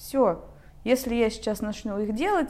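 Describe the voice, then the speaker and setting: With lively intonation, a woman speaks at a moderate pace in a dark, mellow tone. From Russia, Saint Petersburg. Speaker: graphic designer and teacher. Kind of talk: casual chat.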